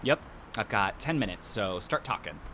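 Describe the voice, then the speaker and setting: A man's voice: lowish voice, animated, moderate pace, pushed and bright, slight background noise. A man playing a nosy, playful young coffee shop worker in casual audio drama dialogue. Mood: teasing, curious.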